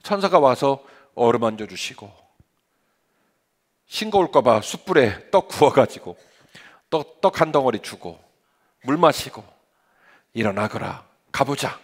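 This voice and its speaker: A middle-aged male pastor preaching a sermon in an animated, conversational way, full of rhetorical questions and humorous asides. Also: mid-range voice, unhurried, pauses often.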